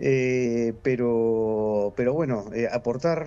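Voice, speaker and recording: A man's voice has a medium pitch and a dark, mellow tone. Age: 60s. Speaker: father of injured man. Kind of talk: interview. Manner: halting.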